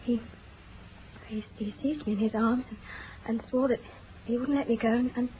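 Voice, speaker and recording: An actress as a genteel young English lady in an old radio mystery. Her high voice moves expressively, earnest and anxious, with hesitant phrasing. The aged broadcast has clear background noise. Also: fairly even intonation, moderate pace, natural voice. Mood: distressed, hesitant. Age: young adult. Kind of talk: 1940s radio drama acting. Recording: noisy vintage radio broadcast.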